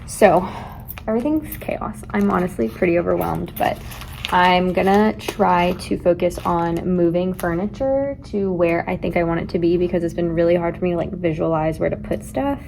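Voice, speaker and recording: A woman's voice: on the low side, normal speed, gravelly, darkish tone, a little hiss or hum. A young woman, vlogging casually as a first-year teacher from her car and her classroom, chatty and rambling with many fillers. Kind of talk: casual vlog chat.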